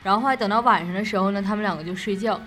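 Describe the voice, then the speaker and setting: A woman's voice: medium pitch, rapid-fire, fairly bright tone, faint music behind. A young woman with a Northeastern Chinese accent co-hosts a late-night show, telling ghost stories in a casual, rambling, repetitive way. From Northeast China.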